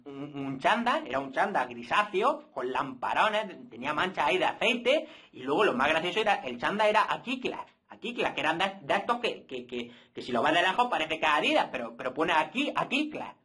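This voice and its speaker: A man's voice: a little high, a little fast. A young man tells a comic story as a monologue, animatedly acting out each voice in it. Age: young adult. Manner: animated, acts out every voice in his story.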